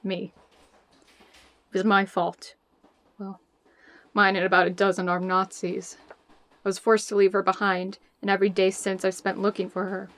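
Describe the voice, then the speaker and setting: A woman's voice: mid-range voice, flat delivery, moderate pace, long pauses, a bit bright, natural voice. Woman playing a brash, world-weary spy. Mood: regretful. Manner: sardonic, blunt, foul-mouthed. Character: hard-drinking, brash, grieving female spy searching for lost love. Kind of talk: audio drama acting.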